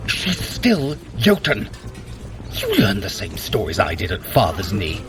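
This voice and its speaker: A man's voice: fairly low pitch, wildly swooping pitch, a little slow, crowd noise. A man playing a wry, wary, imperious trickster prince in an audio drama, with a sardonic, clipped, commanding delivery. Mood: impatient, dismissive.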